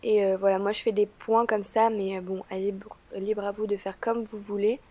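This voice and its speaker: A woman's voice: mid-range voice, flat delivery, a little fast, a little mellow. A woman with a cold, talking through a makeup tutorial in a chatty, hesitant way with frequent "euh" fillers. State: stuffy-nosed from a cold. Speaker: beauty vlogger.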